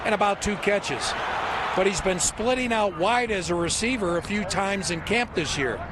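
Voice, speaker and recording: High-pitched American male sports reporter. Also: moderate pace, noisy background. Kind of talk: scripted report narration.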